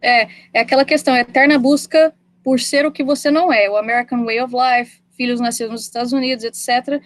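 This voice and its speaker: A young woman giving an academic literature talk in a measured way over a video call. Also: fairly high pitch, steady tone, dry recording. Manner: measured, reads quotations aloud. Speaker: presenter. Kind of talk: academic presentation.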